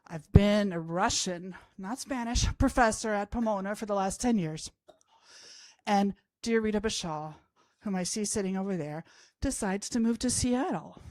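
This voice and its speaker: A woman's voice: mid-range voice, darkish tone, no room sound. A woman in her fifties from Austria, a language professor telling a humorous personal story on stage to an audience, wry and self-mocking. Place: college event stage before an audience.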